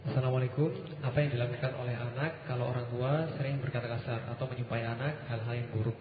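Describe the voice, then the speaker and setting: A man's voice: medium pitch, steady tone, fast. A man politely reading out a question for the preacher. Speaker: caller asking a question. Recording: tinny phone line, echoey, faint hiss.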